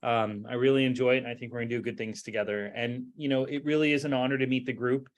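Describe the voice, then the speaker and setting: A man invited to give a lecture chats casually with his host before starting. He sounds friendly and agreeable, and stumbles over a word now and then. His voice sits at a middle pitch. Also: fairly even intonation. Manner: friendly, quick to agree, some stammering. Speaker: guest lecturer, neurosurgeon. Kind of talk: casual chat before a talk.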